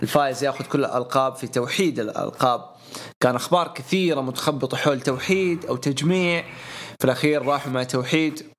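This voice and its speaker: Fast-talking opinionated man. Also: medium pitch, a bit bright, a little hiss or hum. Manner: talkative, opinionated, runs through lists. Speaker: podcast co-host. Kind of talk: casual podcast chat.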